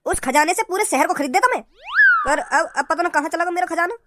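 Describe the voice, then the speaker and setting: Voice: very high voice, lively intonation, quick pace, very noisy. A performer voicing a greedy, menacing male gang boss in a cartoon, grieving over his treasure and threatening whoever took it.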